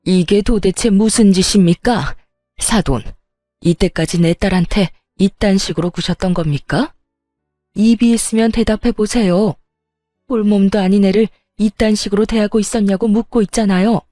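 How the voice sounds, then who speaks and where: A stern, outraged mother standing up for her pregnant daughter with a demanding manner, as a woman narrator plays her. The voice is mellow and warm. The recording is dry, with faint music. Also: mid-range voice, steady tone, normal speed, no echo, natural voice. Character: outraged protective middle-aged mother.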